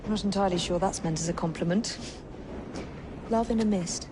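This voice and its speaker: A woman's voice: mid-range voice, a little fast, background noise, close to an everyday voice. An actress playing a witty, self-assured young woman who speaks in a dry, teasing way. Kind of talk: video game cutscene acting.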